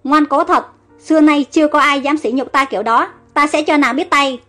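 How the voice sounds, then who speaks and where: A woman's voice: high voice, fairly quick, fairly bright tone, soft background music. A woman voicing a proud, hot-tempered male pharaoh who speaks angrily and commands. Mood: furious. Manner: angry, commanding.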